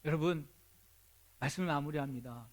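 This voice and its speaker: A man's voice: on the high side, normal speed. A man preaching a sermon as pastor at a young adults' worship service, telling a story and asking his listeners many rhetorical questions.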